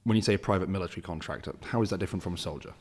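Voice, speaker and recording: A man's voice: low voice, very fast, darkish tone, in a large hall. A man hosting a casual interview podcast, chatty and rambling, with lots of restarts in his questions. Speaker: podcast host.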